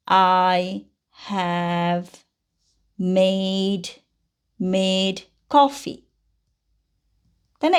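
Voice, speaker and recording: A woman teaching a German grammar lesson in Bengali, patient and steady, often pausing to ask whether the students follow. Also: medium pitch. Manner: patient, asks many checking questions. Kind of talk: classroom-style grammar lesson.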